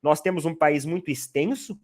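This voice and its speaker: A man's voice: fairly high pitch, moderate pace. Chatty São man hosting. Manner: chatty, explains at length with many "né" fillers. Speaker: channel host, Palmeiras fan. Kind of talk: casual football chat.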